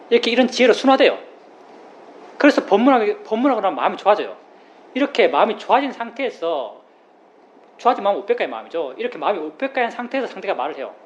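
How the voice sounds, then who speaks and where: A Buddhist monk giving a plain-spoken dharma talk, who repeats key phrases and explains with everyday examples. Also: male voice, high voice. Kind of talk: dharma talk to a meditation group. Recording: slightly dull recording with faint room noise.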